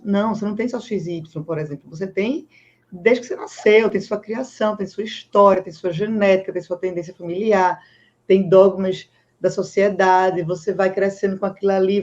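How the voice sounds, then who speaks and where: A woman's voice: mid-range voice, a little mellow. A woman hosts an interview in an affirming, conversational manner. Her voice sits mid-range for a woman. The recording sounds slightly dull and muffled. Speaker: host, doctor. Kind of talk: casual interview talk.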